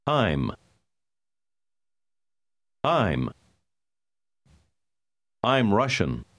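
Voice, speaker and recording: A man slowly and carefully pronouncing phrases as a model for learners to repeat. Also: on the low side, wildly swooping pitch, a bit bright. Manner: very slow, carefully drawn-out words. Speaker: native speaker model in language course. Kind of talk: slow model pronunciation for repetition.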